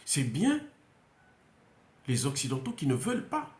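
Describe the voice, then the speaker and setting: A man with a Central African French accent delivers an emphatic, off-the-cuff monologue as a commentator, repeating phrases and hesitating a lot. His medium-pitched, darkish voice swoops wildly in pitch at a slightly slow pace. The recording has a roomy echo and a faint hiss or hum.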